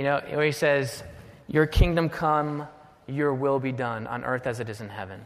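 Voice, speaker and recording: Over noticeable background noise, a man with a fairly high pitch and ordinary pitch variation speaks at a moderate pace with big swings in loudness. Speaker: guest preacher. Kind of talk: sermon with fervent prayer. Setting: church. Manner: earnest, pleading, impassioned; formal, scripture-quoting cadence.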